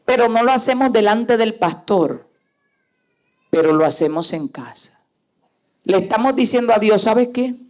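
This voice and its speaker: A woman's voice: medium pitch, animated, normal speed, long pauses, a little mellow. A woman pastor preaching a sermon, emphatic and full of rhetorical questions to her listeners.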